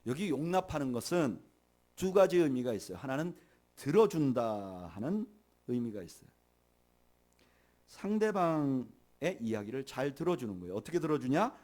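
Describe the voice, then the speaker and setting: A middle-aged man preaching a sermon as pastor, rising loud on key points and dropping soft, and leading the congregation in reading aloud. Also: mid-range voice, sing-song, moderate pace.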